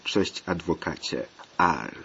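Give me a stubborn male pirate prisoner, voiced by a man, growling pirate sounds in a low voice. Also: lively intonation, slow pace, vocal fry, pushed and bright, full character voice. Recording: dull lo-fi recording, faint hiss.

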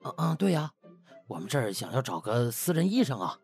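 Male narrator as desperate household butler, stammering, pleading, pushy, lively swooping pitch, comic audiobook. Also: brisk, soft background music. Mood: hopeful, probing.

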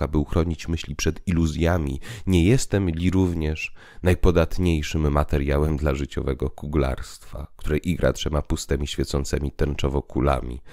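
A man's voice: very deep voice, darkish tone, no echo, clean studio sound. A man voicing a bitter, despairing freed prisoner who declaims solemnly in a dramatic literary monologue.

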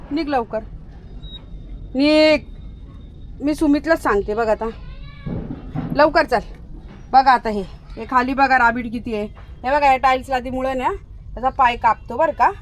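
A woman's voice: high-pitched, normal speed, pauses often, slight background noise. A woman vlogging at night outdoors on a handheld phone, chatting to viewers and scolding and calling out to her dog. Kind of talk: casual vlog narration to viewers.

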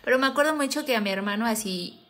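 Animated Mexican woman telling a story. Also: a little high, fast. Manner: animated storytelling, acts out quoted voices. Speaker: podcast co-host. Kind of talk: casual chat.

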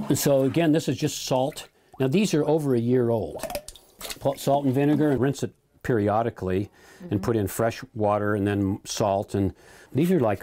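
A man's voice: mid-range voice, noisy background. Rambling man in his eighties. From United States. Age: 80s. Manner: relaxed, rambling, repeats words while thinking. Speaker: homesteader giving a tour. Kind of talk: casual tour talk. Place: outdoor garden and home pantry.

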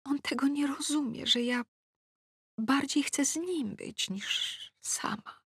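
Actress as young mother, audiobook figure, high-pitched, chatty, hesitant, self-satisfied, clinging, dry close sound. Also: slow pace, fairly bright tone, no room sound, full character voice. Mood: calm, plaintive. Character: Jola, fit young mother and anxious, clinging wife.

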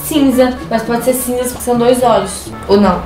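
A woman in her twenties with a Brazilian accent, chatting casually as a guest in an animated, theatrical way. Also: on the high side, a little fast. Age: 20s. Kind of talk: casual chat. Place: living room. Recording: roomy sound, loud background music.

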